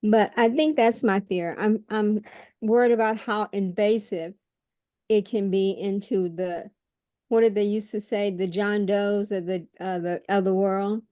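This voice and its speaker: Outspoken woman on a video call, warm mellow voice, dry sound. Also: mid-range voice, fairly even intonation, unhurried, no echo. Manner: frank and outspoken, a little hesitant. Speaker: workshop participant. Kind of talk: casual self-introduction.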